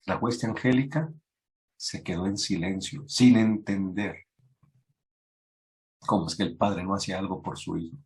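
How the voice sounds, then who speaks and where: A man preaching a sermon to young people, acting out pleading voices and rising in pitch when he stresses a point. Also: unhurried, pauses often, darkish tone. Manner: acts out biblical voices, rises in pitch when emphatic. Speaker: youth preacher.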